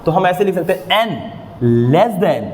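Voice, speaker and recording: A man's voice: sits high, animated, measured pace. A man teaching a maths class, explaining step by step and often questioning his students, with motivational asides. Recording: echoey room, long reverb.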